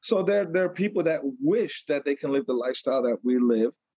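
A man speaks at a very fast pace in a New York accent. His voice is fairly high-pitched with a dark, mellow tone. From New York City, Brooklyn. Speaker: police detective sergeant. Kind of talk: casual interview.

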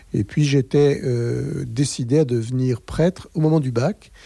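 With a dark, mellow tone and a somewhat breathy quality, a man speaks at medium pitch with ordinary pitch variation. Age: 50s. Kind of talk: interview. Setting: office. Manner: halting.

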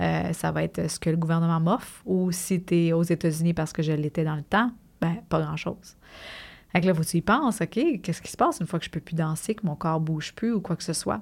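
In a very clean recording with a silent background, a woman speaks at a fairly quick pace in a fairly low pitch with ordinary pitch variation. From Montreal, Quebec. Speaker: professional dancer. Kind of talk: interview.

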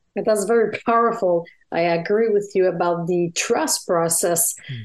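Fairly slow delivery in a Quebec French accent. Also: woman. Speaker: podcast host, entrepreneur. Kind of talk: interview.

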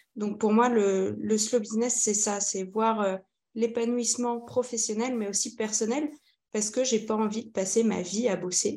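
A woman talks at a fairly slow pace and fairly high pitch, her dark, mellow tone carried in monotone, flat intonation. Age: 20s. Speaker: business mentor. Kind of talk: casual chat.

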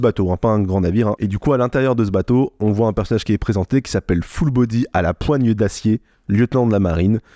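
Against a quiet background, a man talks at a very fast pace. His tone is dark and mellow, with ordinary pitch variation. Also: dry, close sound with no echo. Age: 20s. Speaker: podcast host discussing manga chapters. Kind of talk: casual chat.

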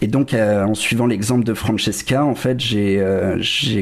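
Amid noticeable background noise, a man talks at a fairly slow pace with fairly even intonation. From France, Paris. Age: 30s. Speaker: actor. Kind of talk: testimony. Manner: halting.

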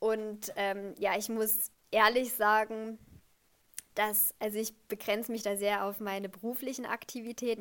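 Speaking at a moderate pace, a woman uses a medium pitch and monotone, flat intonation. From Saxony, Germany (Dresden). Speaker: development cooperation worker. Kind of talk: interview. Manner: hesitant fillers.

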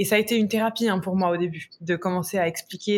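Somewhat breathy and fairly quick, this woman's medium-pitched voice keeps a fairly even intonation. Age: 30s. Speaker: life coach and entrepreneur. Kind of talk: interview conversation.

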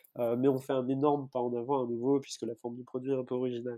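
A man's voice at medium pitch. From Marseille, southern France. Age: 30s. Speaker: food startup co-founder. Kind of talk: casual interview. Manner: hesitant, many fillers and repetitions.

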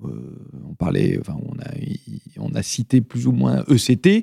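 A man is speaking. His pace is very slow. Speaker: startup co-founder and CEO. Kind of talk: interview.

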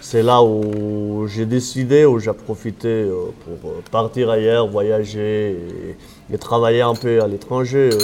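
A man speaks at medium pitch with monotone, flat intonation. His pace is very slow. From Catalonia (Cerdagne). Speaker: ski patroller. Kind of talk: casual interview.

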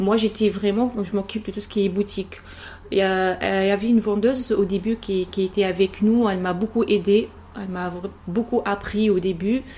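A woman with a Tunisian accent talks at a moderate pace and medium pitch, her dark, mellow, somewhat breathy voice held to a flat monotone. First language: Tunisian Arabic (speaking French). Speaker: baker. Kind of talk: interview testimony. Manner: halting, many hesitations and repetitions.

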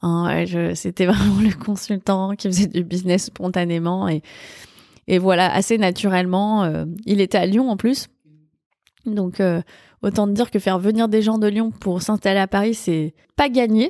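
Dark, mellow tone at a fairly slow pace, with long, frequent pauses, very even loudness, fairly even intonation, and a very clean recording over a silent background. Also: woman, medium pitch for a woman. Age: 40s. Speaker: innovation consulting executive. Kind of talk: casual interview. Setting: studio, in person.

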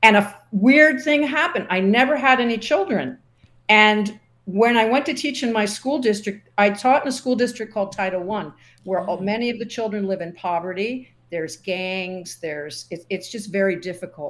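A woman with an unremarkable speaking voice talks at a moderate pace on a very clean recording with a silent background. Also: medium pitch for a woman, lively intonation. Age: 60s. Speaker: former sportscaster and sports official. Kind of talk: interview.

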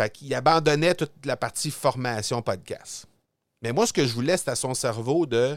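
At a moderate pace, a man talks with a Quebec accent. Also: medium pitch for a man, ordinary pitch variation. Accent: Québécois French. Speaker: entrepreneur and podcast coach. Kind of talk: interview.

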